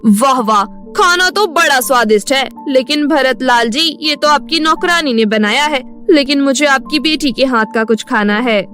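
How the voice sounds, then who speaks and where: A woman's voice: high voice, moderate pace, hardly any pauses, a bit bright. A woman voicing a middle-aged, demanding mother of a groom, effusive yet pointed, in a storybook tale. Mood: polite, pointed. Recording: music behind the voice.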